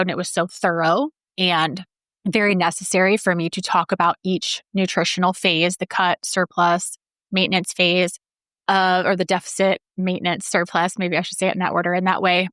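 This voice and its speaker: Slightly raspy woman, lowish, chatty. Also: fairly bright tone, dry recording, clean studio sound. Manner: chatty, rambling, swears freely. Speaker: podcast host and personal trainer. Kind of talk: casual solo podcast talk.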